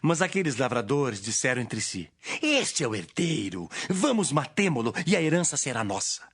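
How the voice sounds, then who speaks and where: A Brazilian man playing an authoritative teacher, measured and declamatory, in a dramatized audio Bible. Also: medium pitch, big pitch swings, a bit bright, breathy edge, full character voice. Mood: authoritative teaching.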